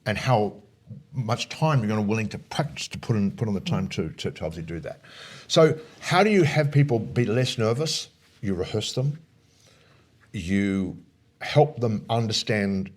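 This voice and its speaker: A man's voice: on the low side, lively intonation, normal speed, darkish tone. A man talking as a coach in a conversational interview, explaining his points emphatically and often punctuating them with short check questions. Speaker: speaker coach, interview guest.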